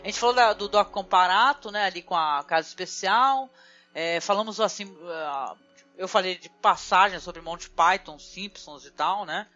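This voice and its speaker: A woman's voice: on the low side, normal speed, bright, forceful tone. A woman from Brazil hosting a podcast in casual chat, talking loosely and filling constantly with little tag words. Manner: chatty, fills with "né" constantly. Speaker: podcast host. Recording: dull lo-fi audio with faint music.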